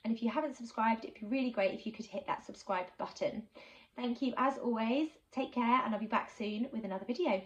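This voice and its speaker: A woman's voice: fairly high pitch, a little fast, muffled recording. Chatty woman, slightly sniffly. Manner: chatty, enthusiastic, many ums. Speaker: sewing vlogger. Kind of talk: casual unboxing chat.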